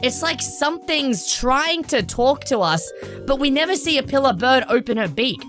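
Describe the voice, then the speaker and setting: A woman's voice: sits high, very animated, normal speed, fairly bright tone. A woman hosting game lore commentary in a musing, explanatory manner. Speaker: video host. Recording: music under the voice.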